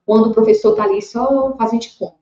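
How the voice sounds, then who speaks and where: A woman from Brazil teaching a recorded lecture, talking in a lively, expressive way. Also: on the high side, fast. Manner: lively, expressive classroom talk. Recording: muffled, roomy lecture recording.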